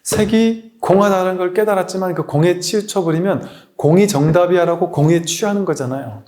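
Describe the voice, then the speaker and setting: A man's voice: sits high, fairly quick, darkish tone. A man, a Buddhist monk, giving a dharma lecture in a conversational way, asking rhetorical questions and telling anecdotes.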